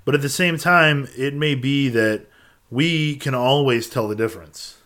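Mid-pitched man adding brief skeptical remarks. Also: unhurried, a bit bright. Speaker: podcast co-host. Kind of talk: casual chat.

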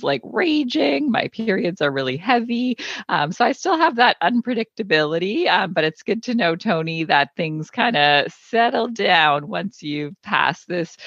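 Dull-sounding, low-pitched woman in her forties. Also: a bit bright, no echo. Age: 40s. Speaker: podcast co-host. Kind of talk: casual conversational health podcast. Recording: dull, band-limited sound.

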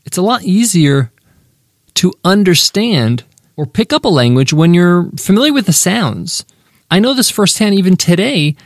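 A man's voice: high-pitched, no room sound, clean studio sound. A man hosting a business podcast, reading a sponsor ad with upbeat, salesy energy, then wrapping up the lesson. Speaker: podcast host. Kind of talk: podcast ad read and lesson wrap-up. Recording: faint guitar music behind. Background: faint guitar music.

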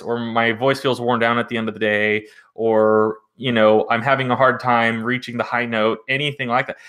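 Man calmly explaining singing problems. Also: medium pitch. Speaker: vocal coach, co-host. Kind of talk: casual podcast chat.

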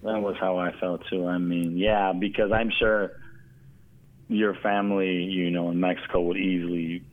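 A man's voice: sits low, level tone, normal speed, no room sound. An American man talking casually and earnestly as an interview guest, rambling a little, over a tinny, narrow line. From United States. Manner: rambling, earnest, often says "you know". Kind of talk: casual conversation.

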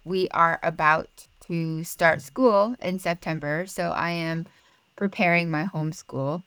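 A woman in her forties, originally from Malaysia and a native Mandarin speaker, is a Bible study writer appearing as a podcast guest in a casual interview. Her lowish voice is clear, resonant and fairly bright, a little slow, with no room sound. She speaks earnestly and reflectively, with light laughs.

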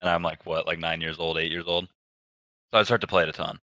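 A man in his twenties, a pro gamer guest, telling stories in a relaxed, low-key way with lots of fillers. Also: quick pace, dry recording. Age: 20s. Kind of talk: casual interview storytelling.

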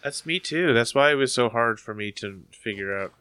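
A man's voice: mid-range voice, expressive, normal speed, bright, forceful tone, smooth, no echo. A man co-hosting a podcast, chatting casually about games in a rambling, jokey way. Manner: rambling, jokey, self-deprecating. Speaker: podcast co-host.

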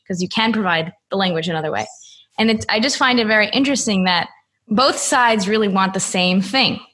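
A woman hosting a podcast, asking thoughtful, measured questions of her guest. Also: medium pitch, a bit bright, breathy edge. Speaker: podcast host. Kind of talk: interview questioning.

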